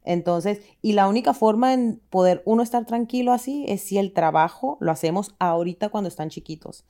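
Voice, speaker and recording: A woman, co-hosting a casual chat and giving calm, earnest advice to parents. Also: mid-range voice, brisk. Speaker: podcast co-host.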